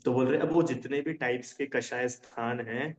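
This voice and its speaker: A man's voice: mid-range voice, normal speed. A man teaching a religion class in casual Hindi. He often checks whether his students understand and explains with everyday examples. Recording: dull lo-fi sound.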